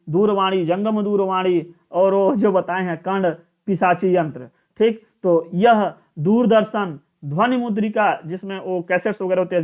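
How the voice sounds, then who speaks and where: A man teaching an exam-prep lecture, chanting verses slowly and often repeating and restarting phrases. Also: high-pitched. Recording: tinny phone-like sound.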